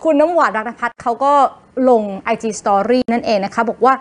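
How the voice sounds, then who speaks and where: A woman's voice: a little high, fairly quick. A woman co-hosting a television entertainment news show, presenting celebrity stories playfully and teasing her co-host. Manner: playful, expressive, teasing questions.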